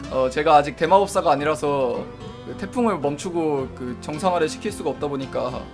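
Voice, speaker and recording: A man's voice: on the high side, moderate pace, music in the background. A man streaming live, reasoning aloud about reviewing novels, often stopping to correct himself and answer chat. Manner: reads and answers viewer chat; says he doesn't use a dialect.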